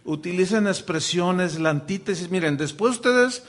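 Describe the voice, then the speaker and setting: A Mexican pastor teaching a Bible class, animated and joking, with lots of restarts. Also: male voice, sits high, moderate pace.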